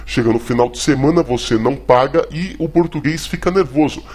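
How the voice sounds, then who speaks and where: Halting Brazilian man, mock-scholarly radio host. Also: medium pitch, a little mellow. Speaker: host playing a mock English teacher. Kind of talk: comedy radio call-in lesson.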